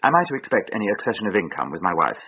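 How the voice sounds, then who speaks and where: An actor playing a calculating young gentleman suitor who speaks in a stiffly polite, formal way. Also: low voice, big pitch swings, very fast, slightly rough, heavily acted. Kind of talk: radio drama acting. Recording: dull old radio recording with faint hiss.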